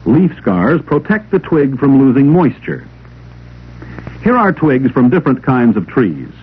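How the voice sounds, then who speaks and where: A man reading scripted instructional narration for a 1950s classroom film in a measured, didactic way. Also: mid-range voice, very animated, slight background noise. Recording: old 16mm film soundtrack, narrow telephone-like band.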